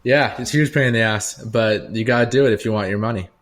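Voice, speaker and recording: A man's voice: lowish voice, fast, a bit bright. A man co-hosting a podcast, telling anecdotes in an informal, slangy way. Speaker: podcast co-host. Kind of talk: casual banter and anecdotes.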